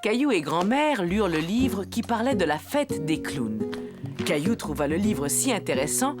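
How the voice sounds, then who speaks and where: A woman narrating a children's cartoon story in a gentle storytelling manner. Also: on the low side, very animated, moderate pace. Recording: music behind the voice.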